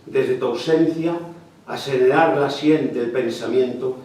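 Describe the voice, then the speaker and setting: Male reader, steady recital, dark tone, distant mic in a very echoey hall. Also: medium pitch, measured pace. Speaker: poetry reader. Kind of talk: poetry recitation. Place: lecture hall.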